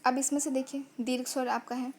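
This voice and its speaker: Lady grammar teacher, a bit high voice, keeps repeating herself and sounding out vowels. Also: flat delivery, fairly quick, slight background noise. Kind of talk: online lesson explaining vowel sounds.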